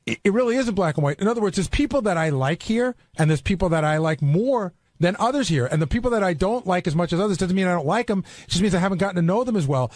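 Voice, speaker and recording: A man's voice: high-pitched, animated, fast, few pauses, darkish tone, dry recording. A man chatting casually as a radio panelist, candid and emphatic, often repeating himself, on a close studio microphone.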